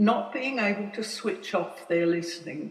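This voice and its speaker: Audible room echo and noticeable background noise surround a woman speaking in an Australian accent. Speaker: voice teacher. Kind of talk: lecture. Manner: halting.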